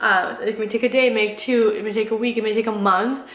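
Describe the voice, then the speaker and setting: Fast-talking young woman, rambling and earnest. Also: a little high, steady tone, a bit bright. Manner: rambling, filler-heavy, earnest and encouraging. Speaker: vlogger answering viewer questions. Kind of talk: casual chatty Q&A with motivational advice. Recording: echoey room.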